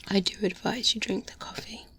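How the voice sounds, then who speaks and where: A woman playing a confident, wary vampire hunter mentor in a soft-spoken, breathy ASMR roleplay, close to the microphone with hesitant pauses. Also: mid-range voice, steady tone, close to an everyday voice. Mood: calm, briefing. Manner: slow, hesitant pauses, intimate. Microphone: close-up binaural microphone.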